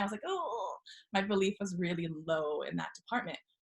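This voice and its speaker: A woman talks at a very fast pace. Her tone is animated. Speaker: network marketer and gym owner. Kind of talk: interview.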